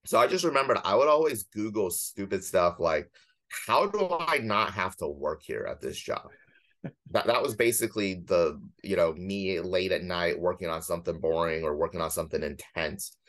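A man in his thirties with a very low-pitched voice tells his own story in casual conversation. He is matter-of-fact and dryly self-deprecating, like a guest laying out his career path. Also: lively intonation, moderate pace, a bit bright. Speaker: guest, former corporate lawyer.

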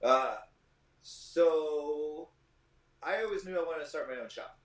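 A man's voice: on the high side, slow pace, far from the mic. A man in his thirties from Michigan, a shop owner guest telling long, rambling stories in a casual podcast chat. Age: 30s. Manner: talkative, rambling storyteller. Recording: roomy, off-mic.

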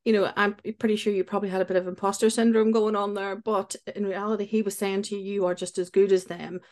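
A woman's voice: mid-range voice, little pitch movement, fast talker, a little mellow. A woman hosting a podcast, affirming her guest in casual conversation and often restarting her sentences. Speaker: podcast host. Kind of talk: casual interview chat.

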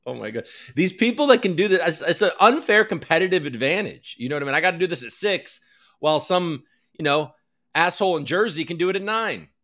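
A man's voice: on the high side, expressive, fairly quick, fairly bright tone. A man hosting a crypto news livestream, chatting casually in a rambling, self-deprecating way and swearing freely. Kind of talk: casual chat.

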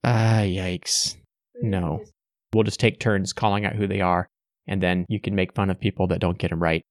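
A man's voice: low voice, level tone, normal speed, dry recording, clean studio sound. A man casually hosting a family guessing quiz, giving instructions and calling on players. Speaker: quiz host.

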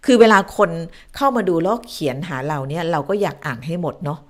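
A woman's voice: sits low, animated, fast. A woman hosting a news live stream from home, summing up the news and then chatting with viewers and thanking them by name. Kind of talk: casual live-stream news talk, reading viewer comments.

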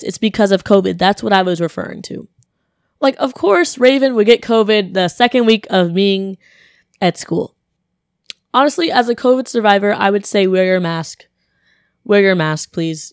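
A young woman, a college student, telling a story in casual chat, her voice deeper than usual and a bit congested, with lots of "like" and acted-out quotes. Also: smooth, dry recording, studio quality. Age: young adult. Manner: chatty, animated, lots of "like", acts out quotes.

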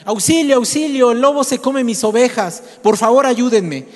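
A preacher doing a mischievous shepherd boy, high and shrill as he yells for help, then giggling at his prank. The voice rings out in a big hall with a long, trailing reverb. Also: brisk, lightly acted. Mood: frantic. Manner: shouts frantic pleas for help, giggles at his trick. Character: bored mischievous shepherd boy crying wolf.

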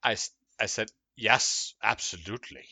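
A man's voice: fairly low pitch, normal speed, vocal fry, sharp tone, no room sound. A man co-hosting a casual podcast chat, talking in an emphatic, provocative way.

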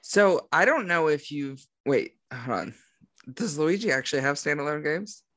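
A young man co-hosting a podcast, joking through quick, casual banter over a call. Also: fairly high pitch, animated, fairly bright tone, dry recording. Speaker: podcast co-host. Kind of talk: casual chat.

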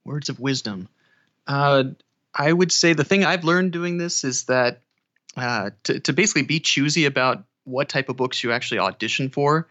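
A man's voice: mid-range voice, normal speed, fairly bright tone. A man talking casually as an interview guest, in a conversational style. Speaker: podcast guest, audiobook narrator. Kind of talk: casual interview chat, giving advice. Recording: slightly dull, band-limited audio.

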